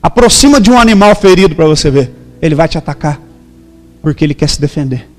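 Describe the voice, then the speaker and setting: A man's voice: a little high, quick pace, big-room sound, soft background music. A man in his thirties with a Brazilian accent, a pastor preaching a sermon and telling a story with emphatic quoted dialogue. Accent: Brazilian Portuguese.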